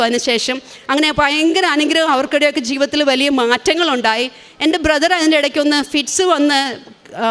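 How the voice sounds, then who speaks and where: A woman's voice: high-pitched, a bit bright. A woman in her forties with a Kerala Malayalam accent, giving an earnest, emotional religious testimony. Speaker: testimony speaker.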